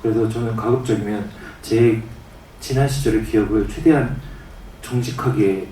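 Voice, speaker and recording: A film director with a Daegu accent, answering at a press conference, halting and restarting often. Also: male voice, on the low side, steady tone, mellow, slight background noise. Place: cinema press conference hall. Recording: echoey hall from far off.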